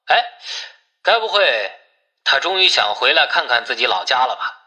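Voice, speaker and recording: A grumbling, reluctant village man, played by a male narrator in an audiobook, heard through a telephone effect. His voice is very sharp and bright, with animated, exclaiming pitch. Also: normal speed. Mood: surprised.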